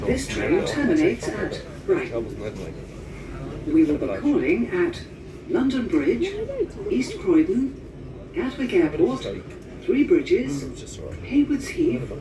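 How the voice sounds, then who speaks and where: A woman's recorded train announcement over a loudspeaker, calling out stations in a clear, even manner. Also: medium pitch, slow, long pauses. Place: inside a moving train carriage. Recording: echoey loudspeaker from far off, loud train noise.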